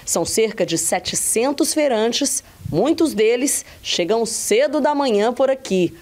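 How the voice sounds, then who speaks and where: Young reporter lady, lively and upbeat, a bit high. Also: measured pace. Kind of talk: news feature reporting.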